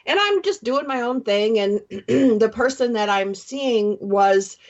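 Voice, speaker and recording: A woman hosting a radio panel chat, telling stories in a lively, quick way. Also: fairly high pitch. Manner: lively storytelling, quick asides. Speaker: talk radio host. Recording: slightly dull lo-fi sound.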